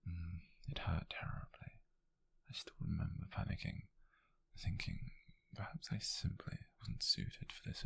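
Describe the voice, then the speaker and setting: A British man playing a gentle, teasing witch mentor in an ASMR roleplay, speaking in a breathy, hushed half-whisper with soothing, intimate phrasing. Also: low voice, full character voice. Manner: soothing, intimate, unhurried, softly formal phrasing. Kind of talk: ASMR roleplay addressed to the listener.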